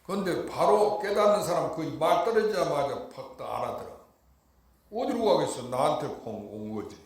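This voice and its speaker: Monk, mid-high voice, emphatic sermon, echoey temple hall. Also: male voice, lively intonation, normal speed. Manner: emphatic, rhetorical, keeps asking the hall if they understood. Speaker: Buddhist monk. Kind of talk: Dharma talk.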